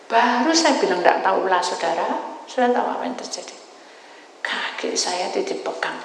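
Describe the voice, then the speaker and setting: A woman pastor preaching a sermon, telling her testimony dramatically, swinging between loud cries and whispers. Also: mid-range voice, expressive, normal speed. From Indonesia. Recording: echoey hall with long reverb, faint noise.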